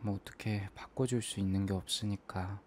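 A man in an ASMR role-play as an apologetic, self-blaming young boyfriend, speaking in a soft, intimate, hesitant murmur. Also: lowish voice, steady tone, normal speed, a little hiss or hum.

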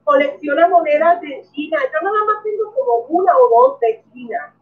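With a high voice, lively intonation and a moderate pace, a middle-aged woman speaking with a Puerto Rican Spanish accent hosts a coin-collecting live stream from her bedroom. She reads comments and greets viewers by name, while her webcam gives the sound a tinny, distant quality.

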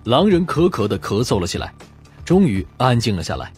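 Animated male audiobook narrator over faint music. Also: mid-range voice, fairly quick. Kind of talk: scripted dramatic narration of a crime novel.

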